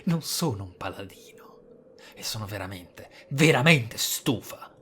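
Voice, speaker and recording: A man's voice: fairly low pitch, lively intonation, normal speed, a bit bright, a little hiss or hum. A man giving theatrical, exclamatory gameplay commentary as a streamer. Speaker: gaming streamer. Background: game music.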